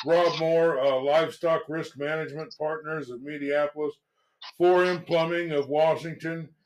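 A man hosting a casual sports radio show in a halting, folksy manner. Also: a little high, fairly even intonation, rough recording.

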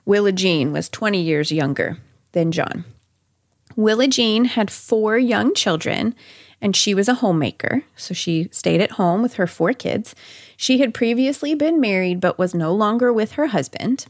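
A woman's voice: medium pitch, expressive, moderate pace, no room sound, studio quality. A woman hosting a podcast, telling a true-crime story conversationally with chatty asides. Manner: chatty asides amid narration. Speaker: podcast host.

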